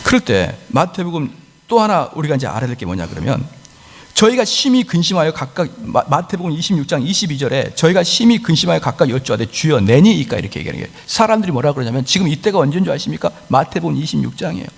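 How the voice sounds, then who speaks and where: A man's voice: a little high, very animated, fast, vocal fry, slightly rough. A male pastor preaching a sermon in a church, dramatic and full of rhetorical questions. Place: church sanctuary. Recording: church hall reverb.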